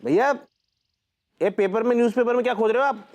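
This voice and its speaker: A man's voice: very high voice, brisk, crowd noise, background noise. An actor playing a cheeky young loafer who teases an older man. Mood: teasing. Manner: teasing, cheeky.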